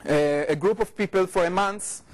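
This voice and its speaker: A middle-aged man with an Israeli accent speaks in a notably high register for a male voice. He lectures informally, restarting phrases and correcting himself as he explains. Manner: informal, halting, frequent repetitions and self-corrections. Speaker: researcher giving a lecture. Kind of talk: academic talk with slides. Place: lecture room, indoors.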